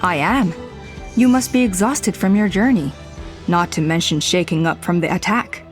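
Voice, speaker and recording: A woman's voice: on the low side, moderate pace, soft background music, natural voice. A woman voicing a composed, welcoming female tribal elder in a game cutscene. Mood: calm. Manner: composed, hospitable.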